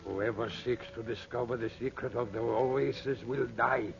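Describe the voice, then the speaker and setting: An actor playing a servile, superstitious Arab henchman in a 1940s radio drama, speaking haltingly and fearfully. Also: mid-range voice, fairly even intonation, vocal fry, dull audio, lightly acted. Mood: grave, fearful. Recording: band-limited 1940s radio recording with music.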